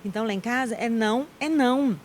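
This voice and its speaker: A Brazilian woman in her thirties speaks as a guest in a studio interview, firm and outspoken with strong emphasis. Her voice sits a touch high, and a faint hiss of noise runs underneath. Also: fast talker.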